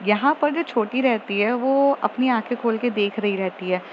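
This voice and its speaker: A woman's voice: a little high, normal speed. A woman narrating a love story in a casual, chatty way, often restarting her sentences. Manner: chatty, with many fillers and restarts. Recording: slightly muffled, faint hiss.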